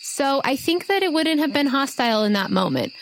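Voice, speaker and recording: A woman runs a tabletop game in a casual narrating style. Her voice is a bit high, and faint night sounds with crickets play behind it. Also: sing-song, brisk, a little hiss or hum. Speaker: game master.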